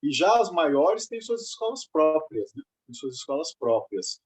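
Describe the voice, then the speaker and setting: Man, group talk, halting delivery, husky and warm-toned. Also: fairly high pitch, sing-song, soft background music, poor audio. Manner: hesitant, many restarts. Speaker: study group participant. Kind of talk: casual group discussion.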